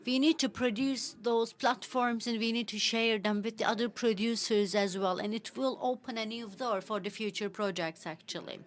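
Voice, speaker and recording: A woman giving a simultaneous interpretation of a panel talk in a measured, halting way, with frequent filler words. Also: fairly high pitch, steady tone.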